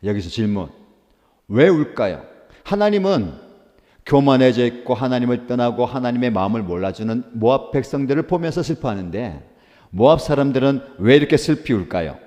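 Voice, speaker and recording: A man's voice: mid-range voice, big pitch swings, fairly quick, dark tone, big-room sound. A man preaching a daily devotional sermon as pastor, earnestly asking rhetorical questions and answering them himself.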